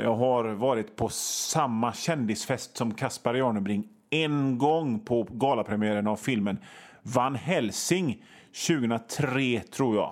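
A man hosting a radio show, telling a rambling absurd comic story in a deadpan way, with mild swearing. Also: lowish voice, long reverb tail. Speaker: radio host.

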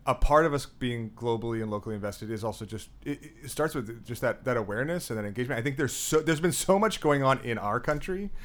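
A man's voice: medium pitch, lively intonation, fast, hardly any pauses, fairly bright tone. A man hosting a podcast, talking casually and hesitantly, often restarting his sentences. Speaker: podcast host. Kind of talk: casual conversation.

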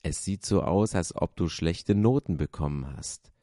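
A big, bearded woodcarver from a storybook, voiced by a man, deep and strong. He speaks slowly and reassuringly, with a dark, mellow tone. The sound is close and dry. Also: no echo. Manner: warm, reassuring, slow.

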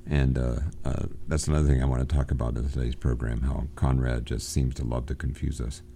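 A man with a very low, mellow voice teaching literature on a recorded program. He talks in an unhurried way, often pausing on fillers and restarting his sentences. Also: flat delivery, creaky, a little hiss or hum.

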